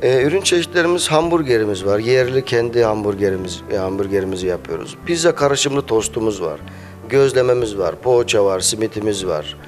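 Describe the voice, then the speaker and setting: A man's voice: fairly low pitch, expressive, a little fast, a little mellow. A man in his thirties who owns a cafe, answering interview questions hesitantly with many filler sounds, speaking into a handheld mic held by the interviewer in a small cafe. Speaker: cafe owner. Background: faint music.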